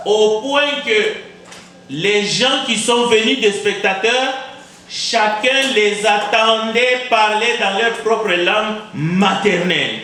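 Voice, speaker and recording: This male preacher's extremely high voice sounds pushed and bright, far from the mic and drenched in heavy reverb in a church sanctuary. His first language is Kizimba, and as pastor he preaches emphatically, with repeated words, rhetorical questions and deliberate pauses.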